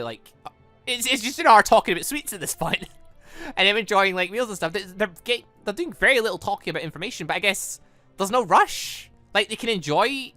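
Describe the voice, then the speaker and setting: A man's voice: high voice, pushed and bright, no room sound. A British man giving casual, rambling let's-play commentary on a visual novel, stumbling over words and correcting himself as he goes. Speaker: gaming video host.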